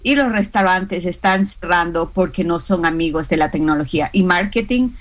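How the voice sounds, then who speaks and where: A woman's voice: lowish voice, normal speed. A woman with a Hispanic accent, a small business instructor, explaining as an interview guest with many fillers and restarts. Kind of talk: radio and live stream interview guest.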